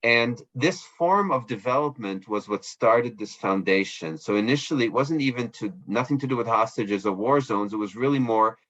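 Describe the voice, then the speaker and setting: A man's voice: medium pitch, moderate pace, hardly any pauses, a bit bright, lo-fi sound. A middle-aged man giving reflective, explanatory interview answers in a conversational, self-deprecating way. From Israel, East Africa and Switzerland. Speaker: interview guest, hostage negotiator and lawyer.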